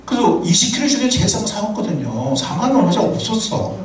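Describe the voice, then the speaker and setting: Pastor guy preaching, lively ups and downs, kinda high voice, echoey church from far away. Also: fast, a little hiss or hum. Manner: animated and humorous, tells personal anecdotes. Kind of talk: sermon. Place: church sanctuary.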